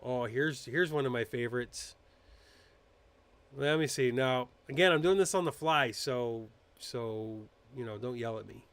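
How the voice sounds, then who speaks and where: A man with a clean, medium-pitched voice talks a little slowly while hosting a casual political live stream. He pokes fun at public figures using mocking impressions, keeping things animated and loose with many fillers and restarts.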